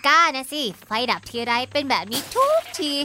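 A woman's voice: high voice, normal speed, noisy background, close to an everyday voice. A woman doing a meek, nervous cartoon chicken. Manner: flustered, overly polite.

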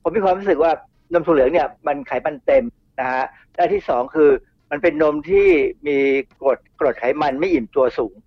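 A man's voice: a little high, brisk, dry recording. A middle-aged man, a toxicologist guest on a radio show, explaining in a chatty way with asides and repeats. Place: radio studio. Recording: dull radio studio sound.

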